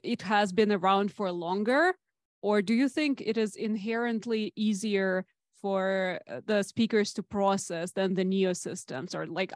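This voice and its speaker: A woman's voice: medium pitch, dry recording, studio quality. A woman in the audience politely asking a question after a talk, with a few ums. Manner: polite, hesitant phrasing with ums.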